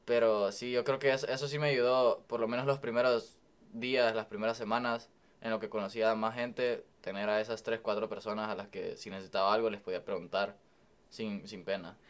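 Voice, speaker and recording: A man's voice: fairly low pitch, level tone, fairly quick, clear, resonant tone. A man in his twenties with a Salvadoran accent, a student talking easily and reflectively as a podcast guest. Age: 20s. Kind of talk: casual podcast conversation.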